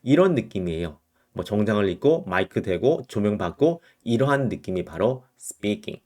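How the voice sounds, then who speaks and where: Casting: low male voice, native Korean speaker, patient teacher who repeats example phrases slowly. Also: big pitch swings, a little mellow. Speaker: English teacher. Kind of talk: English lesson explaining word use.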